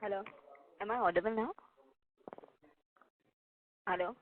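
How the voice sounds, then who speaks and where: A woman's voice: medium pitch, measured pace. A woman analyst calling in on a crackly phone line full of static, hesitantly asking if she can be heard. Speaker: analyst caller. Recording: tinny phone line with loud static and clicks.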